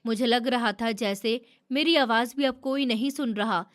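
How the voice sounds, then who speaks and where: Woman narrator with a slightly high voice, steady and somber. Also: moderate pace. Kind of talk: first-person scripted story narration.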